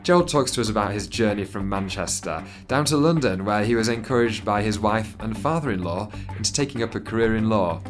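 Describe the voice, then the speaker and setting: Low-voiced male podcast host. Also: animated, fairly quick, hardly any pauses, faint music behind. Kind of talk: interview hosting.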